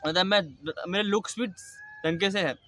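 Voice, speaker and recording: A young man talking casually to his vlog audience, with a throaty, slightly thick voice that he keeps slow and deliberate, catching on the odd word with a small stammer. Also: sits high, fairly even intonation, bright, forceful tone. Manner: speaks slowly and deliberately, with occasional stammers. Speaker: vlogger. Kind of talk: casual personal vlog monologue.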